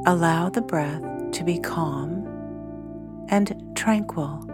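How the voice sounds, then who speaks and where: A woman with a slightly low voice guides a meditation at a very unhurried pace. She speaks soothingly in short, measured phrases with long gaps. Clear music with singing bowl tones plays behind her. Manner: slow, soothing, measured delivery with long pauses. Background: meditation music with singing bowls.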